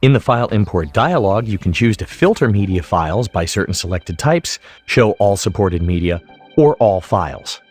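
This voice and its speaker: Man, low voice, animated intonation, deliberate tutorial narration, faint music behind. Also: husky. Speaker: software tutorial instructor. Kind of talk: scripted instructional narration.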